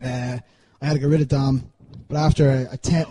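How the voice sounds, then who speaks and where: A man chatting as a podcast guest, telling a wrestling anecdote in a halting, teasing way. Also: mid-range voice, fairly even intonation, dark tone.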